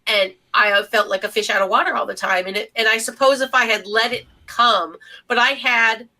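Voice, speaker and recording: A woman's voice: fairly high pitch, fairly even intonation, moderate pace, pushed and bright. A woman co-hosting a podcast, talking casually and reflectively from experience in an emphatic, opinionated way. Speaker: podcast co-host. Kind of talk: casual opinionated group discussion.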